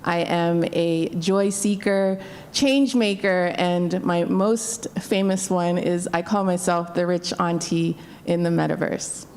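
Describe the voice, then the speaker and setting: Gravelly-voiced woman founder from Canada. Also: fairly low pitch, takes it slowly, slight background noise. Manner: playful, lively, self-assured. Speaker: panelist, founder and CEO. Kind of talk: self-introduction on a panel.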